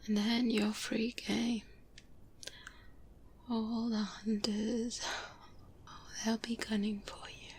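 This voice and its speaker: A woman playing a stern, cautious vampire-hunter mentor in a soft-spoken ASMR roleplay, earnest and measured, giving firm warnings close to the microphone. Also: fairly high pitch, little pitch movement, slight background noise. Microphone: close-up binaural microphone.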